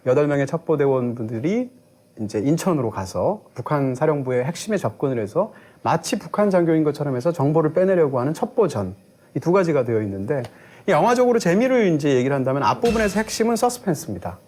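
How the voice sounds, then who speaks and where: A middle-aged man who co-hosts a movie review show speaks quickly in a fairly high, very animated voice. As a film critic in an analytical review discussion, he builds long explanatory arguments, fluent and lecturing, with faint music underneath.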